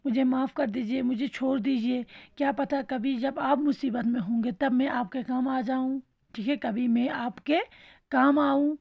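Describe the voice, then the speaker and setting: A timid little male mouse pleads for his life in a children's storybook, begging politely and saying the plea again and again, as a woman teacher reads him. The voice is somewhat high and husky. The recording is dull and dry. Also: fairly even intonation, a little slow, no room sound, exaggerated voice. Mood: pleading.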